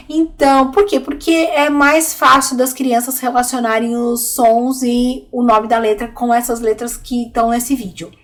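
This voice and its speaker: A woman's voice: high voice, fairly bright tone. A middle-aged Brazilian woman, a literacy teacher, explaining classroom methods directly to other teachers and checking in with them often. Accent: Brazilian Portuguese. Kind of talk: online teaching video.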